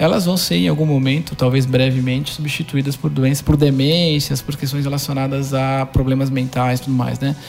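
Music plays in the background as a man of medium pitch speaks at a moderate pace. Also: fairly even intonation, hardly any pauses. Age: 40s. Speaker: journalist. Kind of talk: casual chat. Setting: studio.

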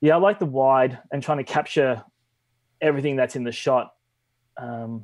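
Against a quiet background, a man with an Australian accent speaks at a moderate pace. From Melbourne, Australia. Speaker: music photographer. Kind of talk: casual interview chat.

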